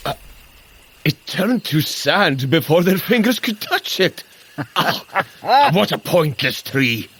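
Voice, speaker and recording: An actor playing a hearty, plain-spoken warrior god in an audio drama, with a deliberate, formal, bluntly skeptical manner. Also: male voice, a little high, big pitch swings, fairly bright tone, slight background noise, full character voice. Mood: baffled. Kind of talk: scripted audio drama acting.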